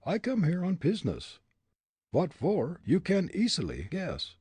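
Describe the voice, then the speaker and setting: A man's voice: high voice, wildly swooping pitch, measured pace, darkish tone, husky, no room sound, voice pushed up, heavily acted. A man doing a comic German-accented detective. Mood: scheming. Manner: broken English, muttering. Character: comic German immigrant male detective, scheming.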